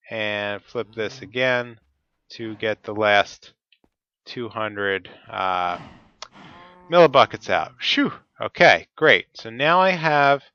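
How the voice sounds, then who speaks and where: A man's voice: medium pitch, clean tone, no echo, dull audio. A man with a stuffy, cold-affected voice, talking methodically through each step of his gameplay. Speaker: Let's Play host. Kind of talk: casual gameplay commentary.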